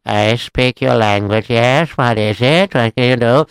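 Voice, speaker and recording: A man's voice: mid-range voice, a little slow, clean tone, no echo, natural voice. A man voicing a wry, teasing Jewish townsman in a story, with a knowing, drawling manner. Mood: wry, guarded.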